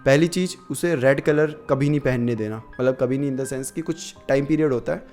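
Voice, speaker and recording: A man's voice: medium pitch, brisk, a little mellow, faint music behind. Casual male horror storyteller. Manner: conversational, many fillers.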